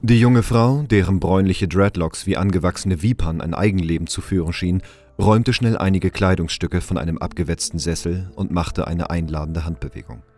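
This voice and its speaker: A man's voice: deep voice, brisk, darkish tone. A man reading scripted, descriptive narration for a sci-fi audio drama.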